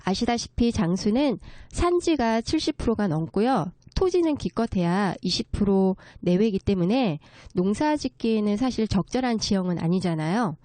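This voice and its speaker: A woman gives a courteous interview explanation, taking things step by step. Her voice is mellow and relaxed, with lively movement in pitch. The sound is close and dry. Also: moderate pace, few pauses, dry recording. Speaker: guest expert, children's story writer. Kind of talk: explanatory interview talk on local folk culture.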